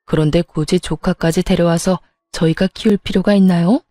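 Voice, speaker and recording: A woman's voice: lowish voice, fairly even intonation, moderate pace, warm tone, no echo, voice pushed down, natural voice. A woman voicing an indignant, pleading sister-in-law who protests in an agitated way in a family drama story. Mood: shocked, indignant.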